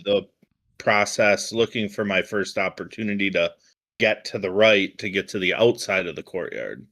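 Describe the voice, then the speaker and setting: A man playing a tabletop game, thinking aloud in a deliberate way. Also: low voice, fairly bright tone. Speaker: player.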